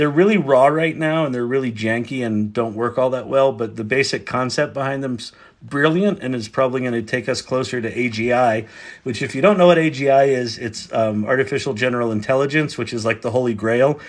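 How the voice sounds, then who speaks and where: A man speaks with a Pennsylvania accent at a fairly quick pace. His pitch is medium, with ordinary variation. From Pennsylvania (York). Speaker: AI educator livestreamer and company owner. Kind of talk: livestream Q&A. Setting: livestream. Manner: loud.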